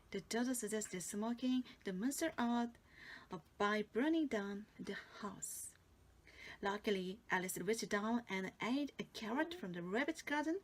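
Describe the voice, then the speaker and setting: A woman with a Korean accent, a native Korean speaker, playfully reading a fairy tale aloud and adding asides for learners. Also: medium pitch. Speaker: storytelling teacher.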